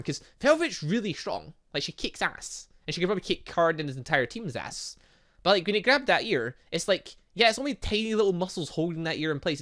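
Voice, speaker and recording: Excitable gaming host with swooping pitch. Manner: rambling, excitable, exclaiming. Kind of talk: let's play commentary, reading game dialogue aloud.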